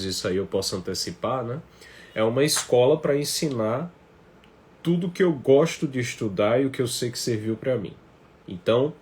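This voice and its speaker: A man with a northeastern Brazilian accent talking informally to viewers as he hosts a live online class, conversational and fond of tag questions. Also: fairly low pitch. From Paraíba, northeastern Brazil. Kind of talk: informal livestream talk to viewers. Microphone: phone on a stand. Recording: noticeable background noise, phone livestream.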